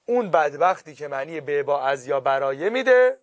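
A male teacher giving a classroom grammar lesson, stretching key words out slowly for emphasis and checking often that students follow. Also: fairly high pitch, very animated, no room sound.

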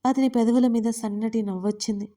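A woman narrates an audio love story with a steady, expressive reading. Her voice is mellow and warm, pitched a little high, and she carries every scene at an even pace. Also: brisk.

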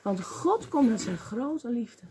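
A woman preaching a lively sermon, acting out voices and crying out at times. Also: fairly high pitch, takes it slowly, slight background noise. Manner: animated, acts out voices and cries out.

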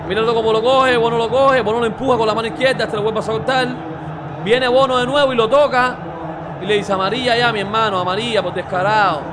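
Give me a high-pitched man ranting quickly in a mocking football reaction stream. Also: fairly even intonation, background noise. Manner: mocking, repeats exclamations, swears, rapid rants. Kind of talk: casual mocking reaction commentary.

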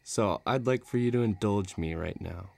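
In an audio roleplay, a man voices a menacing, bloodthirsty villain eager for a duel, taunting and threatening. His lowish voice is a little mellow with vocal fry, delivered at a moderate pace with no room sound.

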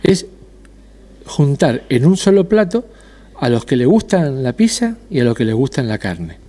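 Middle-aged man with a mellow voice. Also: medium pitch, big pitch swings. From Argentina. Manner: measured, with frequent hesitations. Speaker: restaurant owner and dentist. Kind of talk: casual interview answers. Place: decorated restaurant patio. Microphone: handheld interviewer mic.

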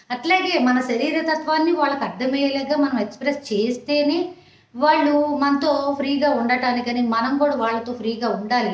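An advice channel host gives young wives frank relationship advice in a motherly way, calling listeners "amma" and often checking they understand. Her voice is on the high side with the highs cut off, recorded in an echoey room.

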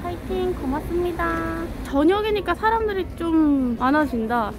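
A woman's voice: extremely high pitch, animated, background noise. A young woman live-streaming on a cold city street, chatting and teasing through a face mask. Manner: chatty and teasing, quick to laugh. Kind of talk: casual live-stream chat.

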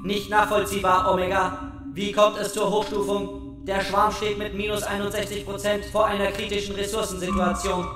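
A man's voice: high-pitched, level tone, normal speed, lightly acted. A man playing a ruthless, insistent machine delegate in a science fiction audio drama, with clipped bureaucratic diction. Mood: indignant, protesting. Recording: echoey, distant from mic, music behind.

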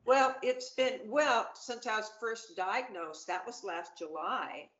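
A woman's voice: on the high side, takes it slowly, fairly bright tone. Roomy-sounding middle-aged woman on a video call. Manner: chatty, upbeat, many fillers and restarts. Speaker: panel guest. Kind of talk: casual video-call chat. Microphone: video call webcam. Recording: roomy, dull webcam audio.

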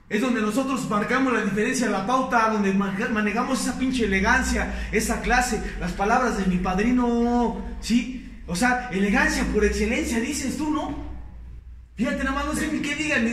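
Mexican guy, really high sharp voice, swearing and joking at a recovery meeting, mic far away, faint hiss. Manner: profane, rambling, laughing, addressing listeners directly. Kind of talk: crude joking group testimony. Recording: echoey room, mic far off, faint noise.

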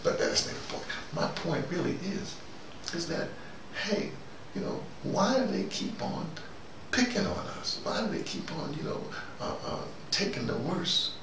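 A man's voice: on the high side, big pitch swings, measured pace. An older American man giving a rambling, conversational monologue in a wry, musing, self-questioning manner. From United States. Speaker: host. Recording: echoey room, noisy, distant mic.

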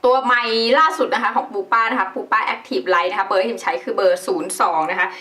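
A woman's voice: mid-range voice, normal speed, distant mic. A young woman chatting her way through a makeup tutorial as a beauty vlogger, polite and talkative. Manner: chatty, polite, often ends phrases with a soft polite particle.

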